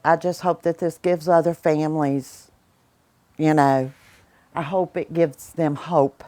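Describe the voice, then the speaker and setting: A woman's voice: low voice, fairly even intonation, slow, dark tone. An older woman speaking informally in a news interview.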